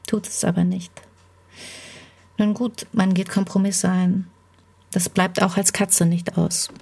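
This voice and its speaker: A woman reading the part of a woman who believes she is a cat, in a calm, dry, measured stage monologue. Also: lowish voice.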